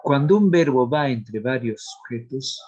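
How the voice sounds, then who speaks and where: A male teacher walks through grammar rules at an unhurried, measured pace. He reads each example carefully and pauses to check that the class follows. His voice sits at an ordinary middle pitch. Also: expressive, darkish tone, slight background noise. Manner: slow, deliberate explanation of examples; asks checking questions of the class. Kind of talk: grammar lesson.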